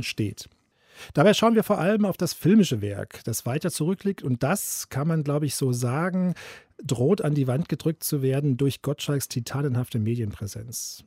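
A man's voice: fairly high pitch, dark tone, breathy edge, dry recording, clean studio sound. A man hosting a radio programme, presenting and leading the discussion. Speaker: radio host.

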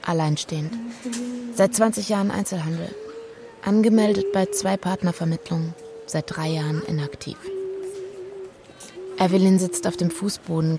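An actress playing a controlled woman who brings bad news, speaking in a measured radio drama style. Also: on the low side, close to an everyday voice. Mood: reflective. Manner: measured, deliberate delivery. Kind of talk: radio drama acting with inner narration.

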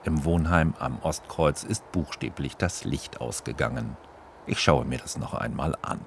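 A man with an extremely deep voice narrates a scripted radio feature as its reporter. Some ambient noise is heard behind him. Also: a little slow.

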